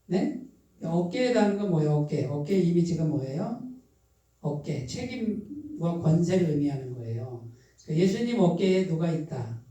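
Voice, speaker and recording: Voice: medium pitch, far from the mic. Pastor preaching in an echoey church hall. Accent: Chungcheong Korean. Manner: asks the congregation questions and answers them; repeats key phrases slowly and softly for emphasis. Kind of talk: midweek sermon. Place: church sanctuary.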